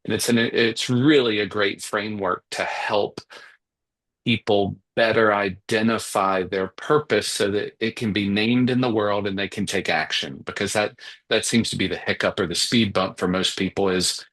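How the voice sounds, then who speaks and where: A man's voice: fairly low pitch, a bit bright. A man hosting a podcast interview, speaking reflectively and affirming his guest, often repeating words as he thinks aloud. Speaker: podcast host.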